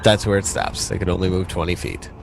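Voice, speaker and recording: Low-voiced man running a tabletop game. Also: fairly even intonation, quick pace, vocal fry, background noise. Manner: informal, conversational. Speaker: game master. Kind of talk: casual narration of a tabletop game.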